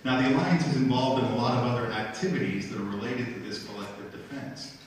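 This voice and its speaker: A middle-aged American man giving a formal public speech as a diplomat, with measured, deliberate phrasing. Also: medium pitch. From United States. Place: large lecture room, recorded from the audience. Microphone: handheld mic through room speakers, distant camera pickup. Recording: very echoey hall, distant mic, faint noise.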